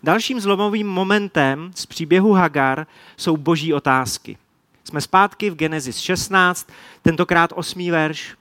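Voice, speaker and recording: Czech preacher guy, high voice, really dry sound, acts out the bible quotes. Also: dry recording. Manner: lively storytelling, acts out quoted dialogue. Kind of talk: sermon.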